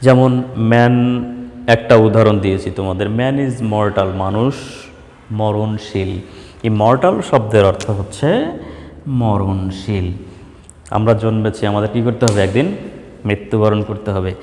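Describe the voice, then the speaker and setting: A man's voice: fairly low pitch, darkish tone. Man teaching in a reverberant room. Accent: Bangladeshi. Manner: asks questions and answers them himself; slow, drawn-out dictation of examples. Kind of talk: online class lesson.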